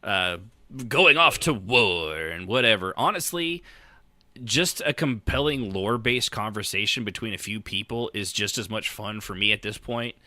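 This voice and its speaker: A middle-aged man hosting a casual podcast with a very bright, forward voice. His pitch moves around in a lively way and he rambles, breaking off and restarting as he thinks aloud. The sound is dry and close. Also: normal speed, dry recording. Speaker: podcast host. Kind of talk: casual conversational podcast chat.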